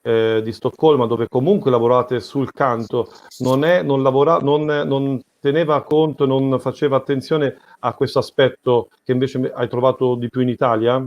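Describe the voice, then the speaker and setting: Man, medium pitch, interviewer, rambling rephrased questions, slightly dull lo-fi sound. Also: fairly even intonation, moderate pace, few pauses, darkish tone. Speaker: moderator, interviewer. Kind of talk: unscripted interviewing.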